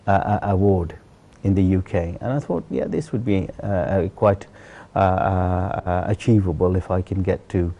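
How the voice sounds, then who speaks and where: Middle aged guy from bangladesh chatting in an interview, lowish soft-edged voice, earnest, repeats himself for emphasis. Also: normal speed, vocal fry, hardly any pauses, highs cut off. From Sylhet, Bangladesh. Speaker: interview guest, celebrity chef. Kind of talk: conversational personal storytelling in an interview.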